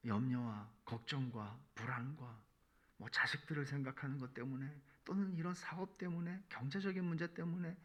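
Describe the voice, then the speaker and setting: A male pastor preaching a sermon in a conversational way, with playful asides. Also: medium pitch.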